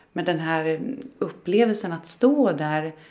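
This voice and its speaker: A woman talks at a fairly slow pace. Her pitch is very deep and low. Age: 30s. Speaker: opera singer and music teacher. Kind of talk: interview.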